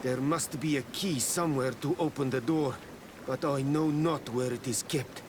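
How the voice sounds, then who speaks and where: A man's voice: mid-range voice, moderate pace, natural voice. A man playing a wary, defiant native tribal warrior in a video game, terse and solemn with formal diction. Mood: wary, grudging. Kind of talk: video game cutscene acting. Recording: clear ambient noise behind.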